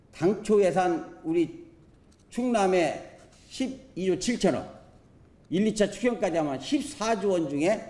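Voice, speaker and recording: A man's voice: a little high, warm tone. A man, a provincial council member delivering a questioning speech at a podium microphone, emphatic and fond of rhetorical questions and folksy sayings. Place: council assembly chamber. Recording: roomy chamber echo.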